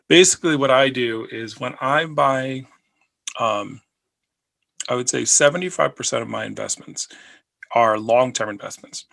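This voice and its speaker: A man talks casually to his viewers, circling back on his points and filling the gaps with "uh". His voice is gravelly and has a bright, forceful edge, pitched at an ordinary middle height. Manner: rambling, repeats himself, many fillers. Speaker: personal finance video host. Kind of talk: casual talk to camera.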